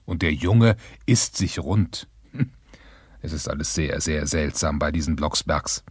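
A man playing a bemused, chatty narrator of a 1980s children's radio play, halting, confiding and drily mocking in a husky voice. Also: rumbling low, animated, dry recording, clean studio sound, exaggerated voice. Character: wry storybook narrator, chatty, bemused entertainer.

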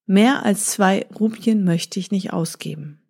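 A wealthy, cautious merchant weighs a price in disbelief, voiced by a woman reading aloud. The storybook delivery is slow and mellow. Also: medium pitch, creaky, slightly rough. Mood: doubtful. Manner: doubtful, astonished at the price.

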